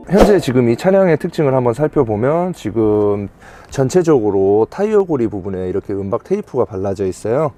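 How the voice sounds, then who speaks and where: In a warm, lowish voice, a used car dealer walks viewers through a truck-buying guide. His patter is polite and formal like a salesman's, though the presentation itself is an informal explainer. There's faint noise in the background.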